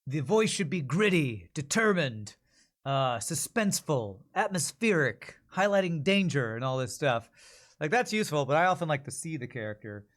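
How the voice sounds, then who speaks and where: A man with a fairly high voice hosts a livestream in a casual, conversational style. He rambles and thinks out loud, working his way through each thought as he talks. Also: sing-song, normal speed. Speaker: livestream host.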